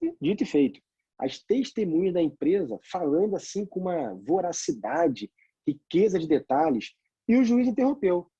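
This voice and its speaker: A man's voice: high voice, big pitch swings, normal speed, mellow, slightly rough, dry recording, dull audio. A man with a Brazilian Portuguese accent, a lawyer and law lecturer, telling a courtroom anecdote with rhetorical questions. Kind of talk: storytelling lecture.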